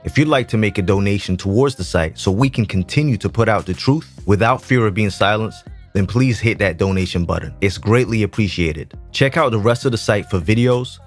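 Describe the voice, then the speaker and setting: A man delivering a channel promo outro in a steady, promotional manner. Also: lowish voice, a little fast, few pauses. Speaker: channel host. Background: faint music.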